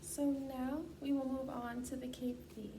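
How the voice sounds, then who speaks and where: A woman's voice: sits high, level tone, measured pace, dark tone. A woman giving formal, scripted instructions as a clinician running an assessment. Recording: distant mic, clearly noisy.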